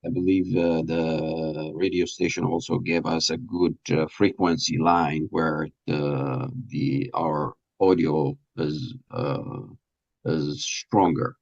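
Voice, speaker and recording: A man being interviewed as a radio presenter, explaining things haltingly as he searches for words, on a dull lo-fi recording. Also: extremely low pitch, flat delivery, creaky. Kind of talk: interview answers, explanatory talk.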